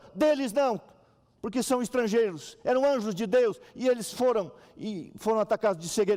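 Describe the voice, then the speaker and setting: A man talks at a moderate pace in an animated tone, his intonation lively. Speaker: pastor. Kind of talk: sermon. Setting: church.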